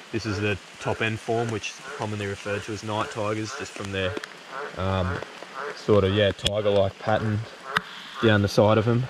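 A man with an Australian accent and a fairly low pitch, moderate pace, flat monotone delivery, loudness that swings widely, long and frequent pauses, noticeable background noise, and a dry sound with no echo. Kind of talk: outdoor vlog narration. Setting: outdoors. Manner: casual. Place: open country. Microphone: phone near.

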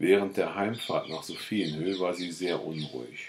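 Fairly even intonation and a moderate pace come through over light background noise. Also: man. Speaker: amateur reader. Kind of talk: audiobook reading aloud of a literary novel. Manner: measured, steady narrator pace, formal literary delivery. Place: home room. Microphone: webcam.

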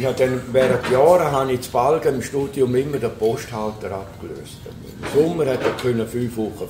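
A man in a Rheintal Swiss accent with ordinary pitch variation, amid noticeable background noise. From Rheintal, Switzerland. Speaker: storyteller. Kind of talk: anecdote storytelling. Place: home room. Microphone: phone near.

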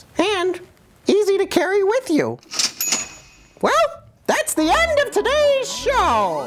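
In a cartoonish character voice at an extremely high pitch, the speaker goes at a fairly slow pace with long, frequent pauses. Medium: puppet show. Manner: excitable, chirpy.

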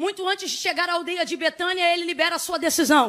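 Against a quiet background, a woman talks fairly quickly in an extremely high pitch with a bright, sharp tone and fairly even intonation. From Brazil. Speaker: missionary preacher. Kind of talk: evangelical Pentecostal sermon, exhorting a congregation about faith and scripture. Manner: emphatic, repeating phrases for effect; rhetorical questions, rising fervent pulpit cadence. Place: church. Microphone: handheld.

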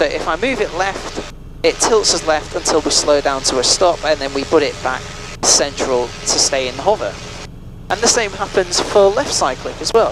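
A man speaks at a moderate pace over background music, with a dry sound and no echo. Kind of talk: tutorial. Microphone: headset.

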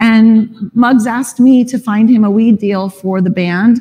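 With an American accent, a woman speaks in a dark, mellow, somewhat breathy tone and ordinary pitch variation. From Montana. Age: 50s. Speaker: cannabis company CEO. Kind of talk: onstage conference interview. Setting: stage with audience. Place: stage. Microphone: lapel.

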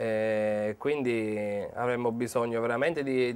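His intonation is fairly even. This is a man talking. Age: 30s. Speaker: futsal goalkeeper; interview guest. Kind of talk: interview at a lunch table. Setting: restaurant. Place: cafe. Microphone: lapel.

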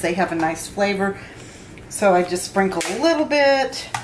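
The pace is moderate. Audible room echo and light background noise can be heard. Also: woman. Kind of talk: cooking tutorial. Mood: warm, playful. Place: kitchen. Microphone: camera far.

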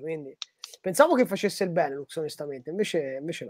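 A woman speaks in a plain, everyday voice. Her pitch is fairly low and her intonation lively. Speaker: live-stream cycling host. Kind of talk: live sports commentary and reaction. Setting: live stream.

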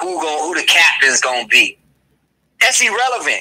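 A bright, sharp tone marks this man's speech. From Miami. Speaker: caller, season ticket holder. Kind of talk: call-in rant. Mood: frustrated, opinionated. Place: home room. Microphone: webcam.

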